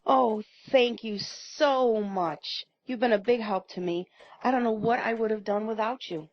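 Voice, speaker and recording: A woman's voice: fairly high pitch, unhurried, lightly acted. An actress as a polite, homely woman neighbor. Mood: grateful. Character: grateful, shaken country woman neighbor, politely plainspoken. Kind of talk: radio drama acting. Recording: slightly muffled audio.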